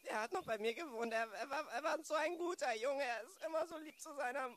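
Weepy old mom in a radio play, super high voice, stammers and whines about her boy. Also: fairly bright tone, no room sound. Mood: tearful, defensive. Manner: halting, stammering, plaintive. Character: tearful, doting elderly mother, grieving her grown son. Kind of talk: improvised audio drama acting.

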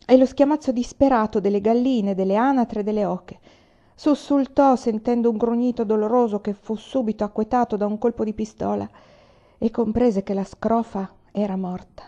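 A woman narrating a novel aloud in a steady, expressive reading style. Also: on the high side, normal speed, dull audio. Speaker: audiobook reader.

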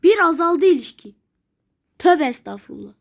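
A woman's voice: extremely high pitch, sing-song, normal speed, vocal fry. A woman commenting on a strategy game she is playing, grumbling in exasperation and thinking aloud to herself. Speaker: gameplay video maker.

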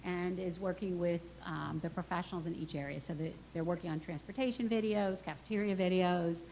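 Lower-voiced woman explaining at a meeting. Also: steady tone, brisk, darkish tone, a little hiss or hum, rough recording. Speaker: school district administrator. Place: large meeting room.

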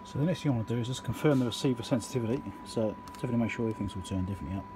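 A man rattles off a rapid-fire, mid-range commentary while doing a hands-on electronics repair at an indoor workbench, matter-of-factly covering each step. This video host is recorded with a handheld camera or phone microphone amid loud hiss and background noise.

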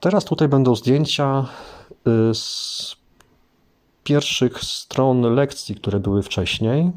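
A man's voice: fairly low pitch, darkish tone. A man teaching French vocabulary in a casual spoken lesson, explaining things unhurriedly with hesitant fillers.

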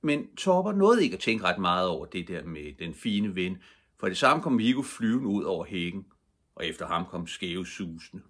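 Older man, husky and low, calm bedtime story reading.

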